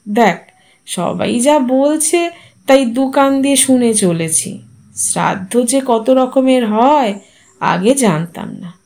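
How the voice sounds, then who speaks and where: A woman voicing an older widowed mother who speaks softly and with resignation. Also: on the high side, gravelly, exaggerated voice. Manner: soft, subdued, resigned.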